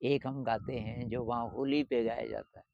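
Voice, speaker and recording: Older man, gravelly and unhurried. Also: medium pitch, fairly even intonation, dry recording. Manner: unhurried, repeats words for effect. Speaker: interviewee telling his life story. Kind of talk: reflective storytelling. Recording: dry, slightly dull lo-fi audio.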